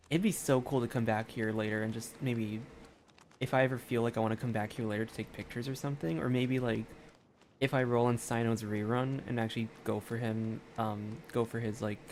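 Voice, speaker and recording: Rambling male game streamer, mid pitch. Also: a little mellow, slight background noise. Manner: slangy, rambling. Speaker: gaming streamer. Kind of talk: casual, enthusiastic game commentary.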